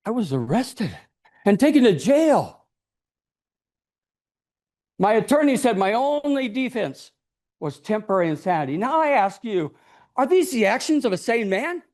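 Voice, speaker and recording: A man delivers a tall tale as a speech, with a very lively, swooping pitch. His delivery is deliberate and dramatic, built for storytelling, and he slips into acted voices along the way. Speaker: club storyteller giving a speech.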